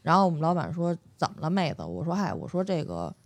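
Middle-aged beijing woman chatting on a podcast, rattles along quick, lowish voice, dry sound. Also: dry recording. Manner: animated storytelling, acts out quoted speech. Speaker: podcast guest. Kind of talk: casual chat.

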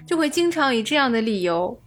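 A woman's voice: a little high, big pitch swings, fairly quick, faint music behind. A woman co-hosting a casual podcast chat, playful and giggly. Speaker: podcast co-host.

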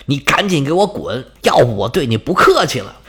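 A man's voice: mid-range voice, big pitch swings, a little fast, fairly bright tone, slightly rough, pitched below the performer's own voice. A man voicing a huge, boastful male lion monster that talks lazily and scolds. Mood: annoyed.

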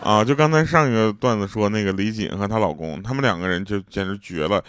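A man with a lowish, fairly bright voice tells comic everyday anecdotes at a quick pace in a casual joke-telling monologue. He is chatty, laughs at his own jokes, and puts on voices for the people he quotes.

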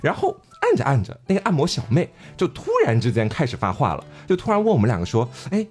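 A man's voice: medium pitch, huge pitch swings, fast talker, faint music behind. A man co-hosting a podcast, telling a story in casual chat with lots of laughter. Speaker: podcast co-host.

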